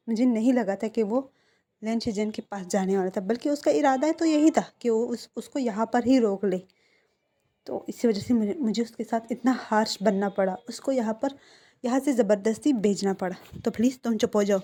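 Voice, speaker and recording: Woman playing a stern middle-aged father, quiet firm orders, mellow tone. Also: a little high, natural voice. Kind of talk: fan fiction story reading.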